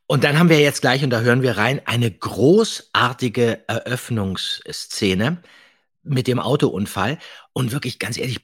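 Man, podcast host, husky, dry close sound, enthusiastic casual chat. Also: mid-range voice, a bit bright, dry recording. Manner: enthusiastic, anecdotal. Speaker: podcast host reviewing radio plays.

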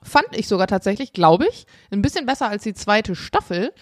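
A woman's voice: medium pitch, big pitch swings, brisk, no room sound, clean studio sound. A woman co-hosting a podcast, chatting casually and laughing easily. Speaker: podcast co-host. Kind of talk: casual chat.

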